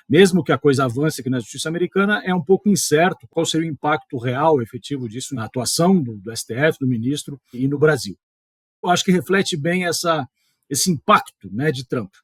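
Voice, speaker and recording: A man's voice: a little high, husky, no echo. A middle-aged man from southern Brazil with a southern Brazilian accent, a professor giving political commentary in a thoughtful, hedging way. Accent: southern Brazilian Portuguese. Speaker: history and politics professor, columnist. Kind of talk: video column commentary.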